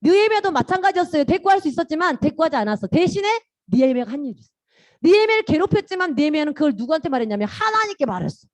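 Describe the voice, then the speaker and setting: A woman giving a children's sermon, telling the story with lively questions to the children and dropping soft and low at the ends of phrases. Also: rapid-fire, dry recording. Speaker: children's ministry teacher.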